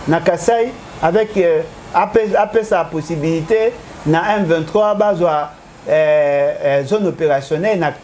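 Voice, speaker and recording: A man's voice: on the high side, a little mellow, a little hiss or hum. Argumentative man lecturing in a debate. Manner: argumentative, lecturing, switches between French and Lingala. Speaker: political commentator. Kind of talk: heated political debate.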